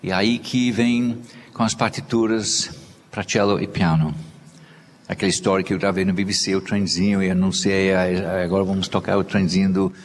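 A British cellist with an English accent, speaking non-native Portuguese haltingly, with many restarts as he searches for words. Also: sits low, little pitch movement. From Britain. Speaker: cellist and festival organizer. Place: theater stage. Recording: reverberant hall with light noise.

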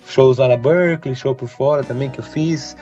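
A young man, a guitarist talking in a relaxed, rambling way as an interview guest. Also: medium pitch, moderate pace, dull audio, soft background music. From Brazil. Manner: relaxed, rambling, many fillers like "né". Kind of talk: casual interview chat.

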